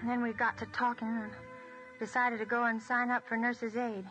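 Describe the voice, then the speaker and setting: An actress playing a young wartime woman who narrates her days in a 1940s radio drama, soft and reflective. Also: on the high side, level tone, normal speed, over music, close to an everyday voice, rough recording. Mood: wistful.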